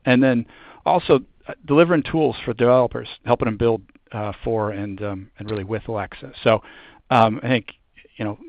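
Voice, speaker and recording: A man speaking as a company executive on an earnings call, informal and halting as he answers. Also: medium pitch, dry recording. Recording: muffled conference call audio.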